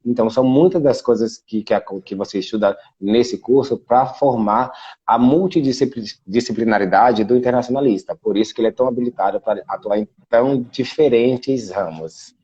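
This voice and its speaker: Brazilian man, husky low voice, dull video-call sound, chatty explainer. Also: normal speed, dark tone. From Brazil (Salvador, Bahia). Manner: explanatory, many fillers like "né". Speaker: guest, international relations specialist. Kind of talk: casual video interview. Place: Portugal.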